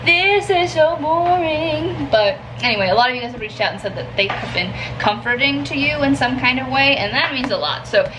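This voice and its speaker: A woman's voice: a little high, fast talker, hardly any pauses. Young woman, casual vlog chat, sarcastic and self-mocking, noisy background. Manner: chatty, sarcastic, self-deprecating. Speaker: vlogger host. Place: family home indoors. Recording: noticeable background noise.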